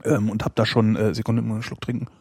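A man's voice: on the low side, little pitch movement, quick pace, a little mellow, breathy edge, dry recording. A man casually chatting as a host answering listener questions, in a dry, informal manner. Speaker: podcast and radio host.

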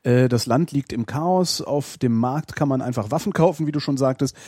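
A male interviewer asking quick, probing questions in a casual talk. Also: mid-range voice, warm tone, breathy edge, no echo, clean studio sound.

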